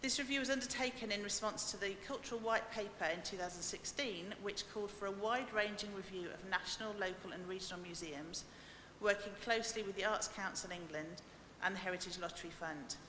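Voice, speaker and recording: A woman's voice: medium pitch, brisk, few pauses, sharp tone, a little hiss or hum. A woman working as a museum learning officer, giving a presentation to a council committee in a friendly, slightly nervous way. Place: council chamber. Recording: echoey chamber webcast.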